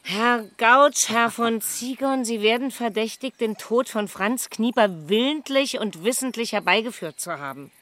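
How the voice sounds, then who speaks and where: Steely police chief inspector. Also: female voice, fairly high pitch, a little slow, few pauses, fairly bright tone, no room sound. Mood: firm, official. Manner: firm, official, dry. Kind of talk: German radio drama acting.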